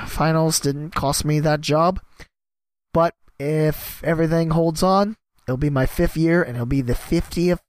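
A man with a fairly high-pitched voice, worn from a cough, hosts his own casual solo podcast, rambling, self-deprecating, and jumping around topics. He's a podcast host and sports announcer, and the recording is studio quality without echo.

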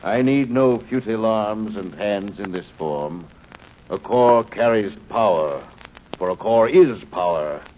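A cold alien intelligence from a 1950s science fiction radio play. The voice is very low and swings expressively through formal, condescending phrases with smug amusement. The old recording is muffled, with faint noise. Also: male voice, animated, measured pace. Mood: cold, superior. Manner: formal, smug, pedantic, coolly mocking. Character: cold superior alien of pure energy, condescending villain. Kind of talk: 1950s radio drama acting.

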